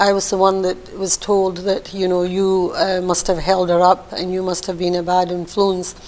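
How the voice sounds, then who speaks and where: A woman with a Scottish accent, speaking at a moderate pace in a flat monotone. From Lossiemouth, Scotland. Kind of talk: oral history interview.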